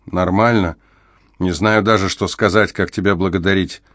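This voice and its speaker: Audiobook: man reading shy, weak young male prisoner, low and hesitant. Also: fairly even intonation, moderate pace, a bit bright, no echo, studio quality. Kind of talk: audiobook character voice.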